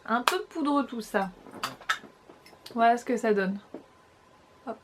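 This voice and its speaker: A young woman beauty vlogger chats casually through a makeup haul, talking directly to her viewers. Her voice sits on the high side and moves slowly, and she often stops and restarts hesitantly.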